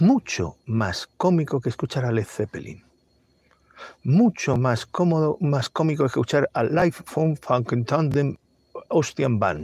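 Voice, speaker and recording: A man speaks at a fairly high pitch with a somewhat breathy voice. The recording is very clean, with a silent background and a dry, close sound without echo. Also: lively intonation. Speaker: YouTube show host. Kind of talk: monologue to viewers. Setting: in a parked car. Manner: halting.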